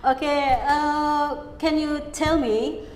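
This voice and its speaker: A woman hosts a podcast, introducing the episode and questioning her guest in an upbeat, chatty way. Her voice sits fairly high. The room adds a long, ringing reverb and a faint hiss underneath. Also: fairly even intonation, takes it slowly, darkish tone. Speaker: podcast host.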